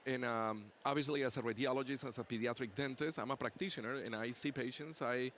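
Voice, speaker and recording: A man's voice: mid-range voice, quick pace, fairly bright tone, slight background noise. A man, a pediatric dentist and professor, talks as an interview guest, joking playfully about his own pronunciation, recorded in a busy convention exhibit hall. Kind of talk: casual interview chat.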